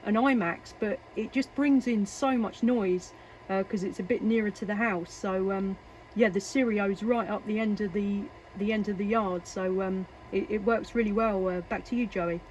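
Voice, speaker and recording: A woman's voice: mid-range voice, steady tone, normal speed, darkish tone. English woman chatting over noisy static. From England. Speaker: CB radio operator and video maker. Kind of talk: casual radio chat. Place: workshop at home. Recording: noisy, radio static and hiss.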